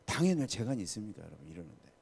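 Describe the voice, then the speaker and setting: Lively, emphatic male pastor preaching. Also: on the low side, rapid-fire, gravelly, background noise. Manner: emphatic, questioning the congregation, acting out quotes. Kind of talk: sermon at a midweek prayer service.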